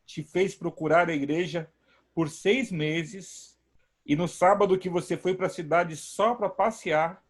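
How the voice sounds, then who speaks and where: A man's voice: high voice, fairly even intonation, a little slow. A man, a pastor hosting an online service from home, speaking emphatically and praising God. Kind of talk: warm preaching talk.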